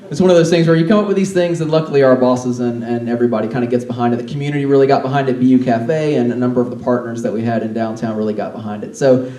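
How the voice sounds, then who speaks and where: A man's voice: medium pitch, mellow. A man who directs marketing for a downtown organization, talking casually on a panel with many fillers. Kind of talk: panel talk. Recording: roomy, distant mic, faint hiss.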